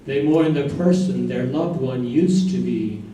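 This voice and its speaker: A man's voice: mid-range voice, measured pace, warm tone, natural voice. A man reading narration and supporting parts in a staged play. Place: live staged reading in echoey room. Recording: very echoey room, distant, faint noise.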